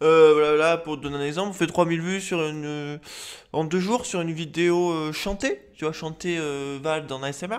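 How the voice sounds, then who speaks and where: Moderate-paced speech with ordinary pitch variation, in a very clean recording over a silent background. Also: man. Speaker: ASMR youtuber. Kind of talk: rant. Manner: normal voice, not whispering.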